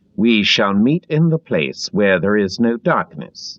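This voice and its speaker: A man in a put-on character voice speaks at a fairly slow pace, with very wide pitch swings. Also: medium pitch for a man, very even loudness. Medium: read story. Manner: very quiet, almost casual.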